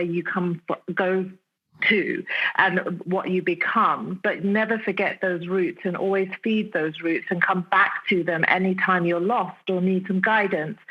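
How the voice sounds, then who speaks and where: Speaking with a London accent, a woman keeps a monotone, flat intonation. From London, England. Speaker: guest, former lawyer turned photographer. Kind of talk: interview conversation.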